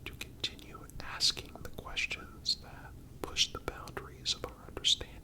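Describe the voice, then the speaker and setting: For an ASMR story, a man reads a script in a breathy, unvoiced whisper, taking it slowly and pausing between phrases.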